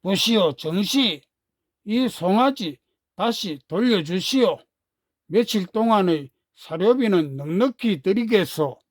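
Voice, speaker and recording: A man reading a storybook, voicing a calm country uncle who speaks slowly and deliberately. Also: high voice, no room sound, studio quality, heavily acted. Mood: firm. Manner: slow, deliberate, measured.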